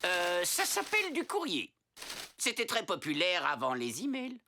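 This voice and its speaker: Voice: mid-range voice, wildly swooping pitch, moderate pace, bright, forceful tone, slight background noise, exaggerated voice. An actor voicing a pompous, theatrical showbiz poodle, a crime-prevention mascot, in a French cartoon dub. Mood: smug.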